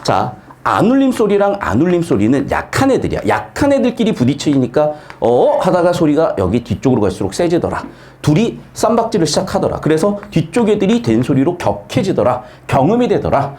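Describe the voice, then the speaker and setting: Animated man teaching grammar. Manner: lively, swings pitch widely, asks rhetorical questions, blunt slangy asides. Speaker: Korean grammar tutor. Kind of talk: casual classroom lecture.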